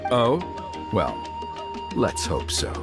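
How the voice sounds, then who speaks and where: A man's voice: on the low side, wildly swooping pitch, very slow, vocal fry, heavily acted. An actor playing a middle-aged tribal elder and father in a video game, formal and theatrical, by turns stern and flustered. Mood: guarded, suspicious. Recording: music under the dialogue.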